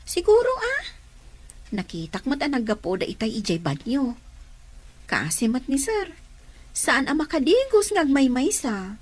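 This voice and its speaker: A woman plays an industrious aunt in an audio drama, with an Ilocano accent. She is plain-spoken, fairly high and lively in intonation. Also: unhurried, long pauses. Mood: matter-of-fact.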